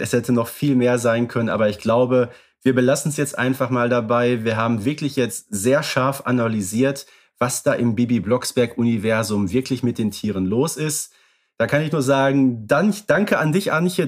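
A man co-hosting a podcast in relaxed casual chat, hedging with filler phrases. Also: mid-range voice, normal speed. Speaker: podcast co-host.

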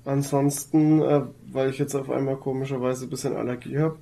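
A woman's voice: a bass voice, fairly even intonation, a little fast, gravelly, mellow. A woman talking in a casual, conversational way on a podcast. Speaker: podcast speaker.

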